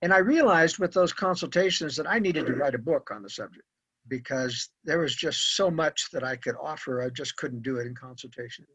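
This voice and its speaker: A man's voice: a little high, a little fast, fairly bright tone, husky, no room sound. An older man, an author, giving earnest, rambling interview answers full of fillers. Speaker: author and guest. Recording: dull lo-fi audio.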